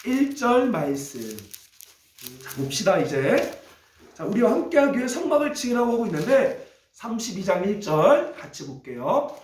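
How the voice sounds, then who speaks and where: A male pastor preaching a sermon in a church, leading call-and-response with the congregation and teaching in a lively, teasing way. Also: high-pitched, a little hiss or hum. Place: church sanctuary. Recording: echoey church hall.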